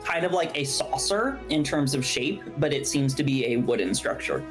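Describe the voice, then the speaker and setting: A woman's voice: a bass voice, sing-song, normal speed, music in the background, poor audio. A woman narrating a tabletop game as game master, describing scenes at length with many fillers.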